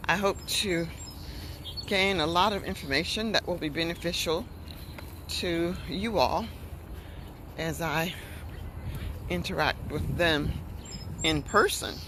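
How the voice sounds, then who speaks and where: An American woman from North Carolina, an English coach, talking slowly and deliberately to learners on a walk along a boardwalk, recorded on a phone. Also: low voice. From North Carolina, USA. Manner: slow, deliberate teacher talk while walking. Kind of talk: live-streamed walking chat. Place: outdoor boardwalk. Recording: outdoor noise with passing traffic.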